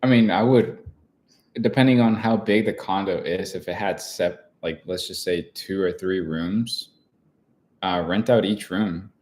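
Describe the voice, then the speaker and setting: Young man, very deep voice, relaxed co-host, casual chat. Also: a little slow. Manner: relaxed and easygoing, thinks aloud with "I mean" and "like". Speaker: co-host, partner of the host.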